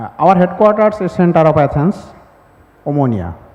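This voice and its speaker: Against noticeable background noise, a man with a Bengali accent speaks with lively intonation. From Bangladesh. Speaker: audience member, NGO founder. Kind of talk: audience question at conference. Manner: halting, broken English.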